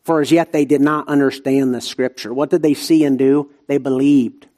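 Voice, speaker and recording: A man's voice: medium pitch, fairly even intonation, normal speed, a little mellow. A man with an Appalachian, Southern US hillbilly accent preaching a sermon in emphatic short phrases, repeating himself and asking rhetorical questions.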